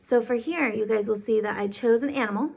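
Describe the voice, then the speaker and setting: A woman's voice: a little high, fairly quick, gravelly, darkish tone, breathy edge. A woman kindergarten teacher explaining a lesson casually, step by step, in an informal, encouraging way.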